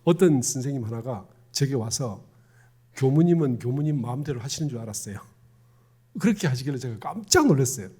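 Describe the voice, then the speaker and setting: A middle-aged man preaches a sermon in a Gyeongsang accent, his slightly high voice rising and falling a great deal. The tone is husky, and he talks with the congregation as much as to it, often asking them questions. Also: a little mellow. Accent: Gyeongsang Korean. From Gyeongsang province, Korea. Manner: conversational, asks the congregation questions. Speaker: Won Buddhist minister.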